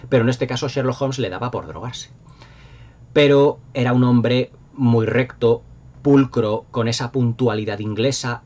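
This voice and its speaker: A middle-aged man with a Spanish accent from Spain hosts a video, looking back nostalgically in a casual, enthusiastic, rambling manner. His voice is mid-range and the sound is lo-fi.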